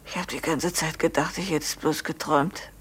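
An actress in a German radio play, playing an innkeeper's anxious, weary wife who speaks in a halting, brittle way. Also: female voice, low voice, steady tone, fairly bright tone, a little hiss or hum. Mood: haunted, hushed.

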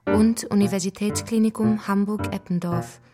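A woman's voice: medium pitch, fairly even intonation, moderate pace, natural voice. A woman reading scripted lines in a radio play, with music playing behind her. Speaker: radio play performer and reader.

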